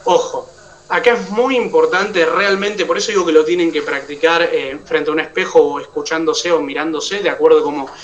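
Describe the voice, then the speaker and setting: Heard through a distant mic with lo-fi sound, a man with a fairly high, fairly bright voice talks at normal speed. With his Argentine Spanish accent, he delivers an online oratory lecture step by step, checking that the students follow.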